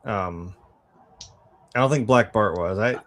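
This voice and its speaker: A man's voice: lowish voice, slow pace, crowd noise. A man in a casual film chat, co-hosting with laid-back, slangy reactions and asides.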